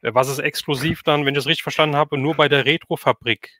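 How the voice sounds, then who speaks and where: A man's voice: fairly high pitch, fairly even intonation, fast, bright, forceful tone, no echo, clean studio sound. A man hosting a casual livestream interview, asking questions and responding informally.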